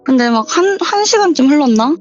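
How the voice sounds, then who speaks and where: A young woman in a casual interview, chattily telling a true horror story and acting out the quoted lines with sudden rises in pitch. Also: expressive, fairly quick. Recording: dull lo-fi sound with faint background music.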